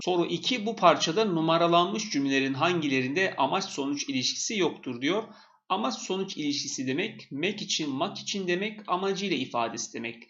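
Gravelly-voiced male teacher, steady and repetitive, talking through test questions, dull lo-fi sound. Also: fairly high pitch. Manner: explains step by step, repeats key points. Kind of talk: exam question walkthrough.

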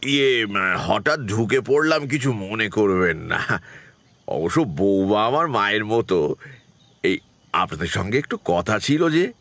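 A courteous, lively-pitched ashram head. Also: male voice, a little slow, full character voice. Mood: apologetic. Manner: courteous, hesitant, solicitous. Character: polite, deferential, concerned head of an ashram. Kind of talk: audio horror drama acting.

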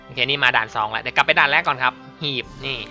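A man's voice: mid-range voice, very fast, sharp tone, faint music behind. A man giving casual, chatty commentary while playing a mobile game, muttering to himself as he goes. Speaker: mobile game channel host.

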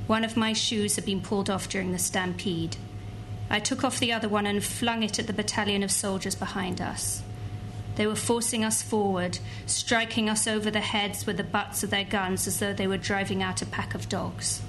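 A young woman, a translator, reading extracts from a novel aloud in a calm, even voice at a bookshop event. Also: medium pitch, normal speed, slight background noise, poor audio. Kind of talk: literary reading. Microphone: table mic.

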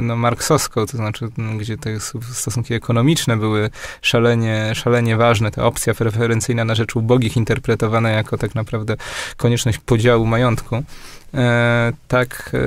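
A man from Poland, a guest historian, explaining at length in a hesitant academic way, with frequent pauses and restarts. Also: mid-range voice. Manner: many fillers and restarts, measured.

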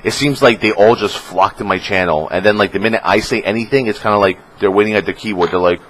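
Young guy streamer rambling to cam, deep voice, little bit of hiss behind. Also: quick pace, fairly bright tone, rough recording. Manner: rambling, filler-heavy, swears and mocks trolls in squeaky voices. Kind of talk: casual vlog talk.

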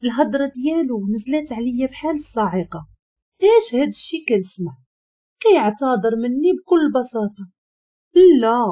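A woman with a Moroccan accent tells a dramatic life story in the first person. Her voice is high and husky, warm in tone, and swings widely in pitch as she narrates with emotion.

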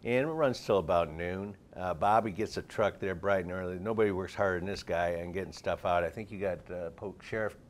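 A middle-aged man with a fairly low voice chats on a TV studio set. He talks in a lively, promotional manner, gesturing as he goes, his voice clean on a lapel mic. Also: brisk, few pauses, a little hiss or hum. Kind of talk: casual TV studio interview.

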